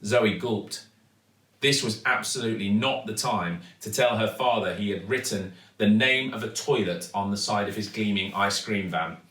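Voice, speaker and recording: Give me a male storyteller with a bright, dramatic delivery for children, recorded in an echoey room. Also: fairly low pitch. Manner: dramatic, deliberate emphasis. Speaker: actor reading a children's story. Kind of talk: expressive storybook narration. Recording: echoey room, distant microphone.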